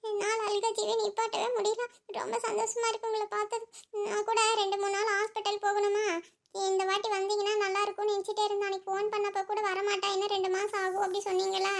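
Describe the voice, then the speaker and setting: A woman voicing a young pregnant wife in a cartoon, longing for her husband who has been away. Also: completely flat delivery. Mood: longing, teasing. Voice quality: very high and quick. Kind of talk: cartoon voice acting.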